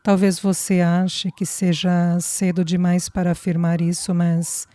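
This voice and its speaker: A woman reading a gentle man in love. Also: lowish voice, monotone, a little slow, dry recording, lightly acted. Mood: tender. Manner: soft, earnest, reassuring. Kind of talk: audiobook dialogue reading.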